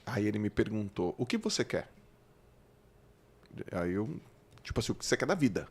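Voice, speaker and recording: A man's voice: fairly low pitch, very animated, normal speed, slightly rough. A middle-aged man, a guest speaker telling stories and acting out what people said. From Brazil. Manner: storytelling, acts out quotes. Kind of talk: casual chat.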